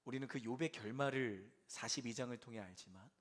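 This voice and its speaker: A young adult man preaching a sermon to a church service, swinging from loud pleading to hushed, almost whispered lines. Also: medium pitch, brisk, slightly rough. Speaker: pastor.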